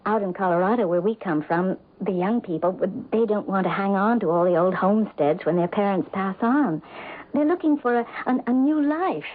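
A woman's voice: medium pitch, normal speed, close to an everyday voice. An actress playing an earnest, articulate married woman with an American accent in a radio drama. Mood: earnest, pleading. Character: earnest, wistful married woman house-hunting. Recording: tinny old radio broadcast. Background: music.

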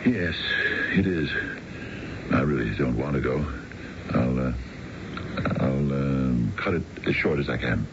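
An actor playing a wealthy, unfaithful middle-aged businessman in a radio drama, smooth and self-assured but halting, with a genteel, gravelly delivery. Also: extremely low pitch. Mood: evasive, casual. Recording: muffled, noisy old radio broadcast.

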